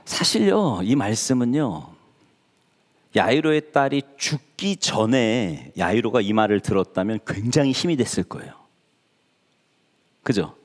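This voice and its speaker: A man's voice: medium pitch, a little slow, pauses often. A male pastor preaching a sermon in a church, talking to the congregation and acting out the people he quotes. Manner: animated, acts out quoted voices. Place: church sanctuary. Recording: church hall reverb.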